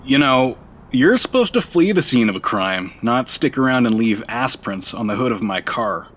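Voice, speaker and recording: An actor playing a blunt, exasperated man who works at a school, in an audio drama, husky and dry. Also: medium pitch, sing-song, moderate pace, a bit bright, a little hiss or hum. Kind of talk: naturalistic audio drama acting.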